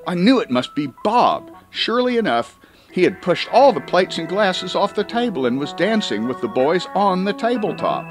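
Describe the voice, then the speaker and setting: A man reading a comic first-person story as an audiobook, with dramatic emphasis and drawn-out words. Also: high-pitched, sing-song, faint music behind. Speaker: audiobook reader.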